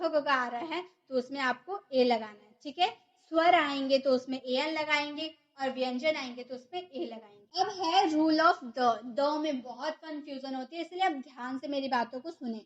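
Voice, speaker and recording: A woman's voice: high-pitched, muffled recording. A woman teaching a grammar lesson, who explains step by step and asks and answers her own questions. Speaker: English teacher.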